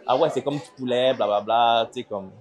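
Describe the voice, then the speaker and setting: Québécois host in a noisy restaurant. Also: male voice, mid-range voice, a little fast, a loud crowd. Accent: Québécois French. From Guatemala. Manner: relaxed storytelling with many restarts. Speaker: podcast host. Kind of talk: casual chat.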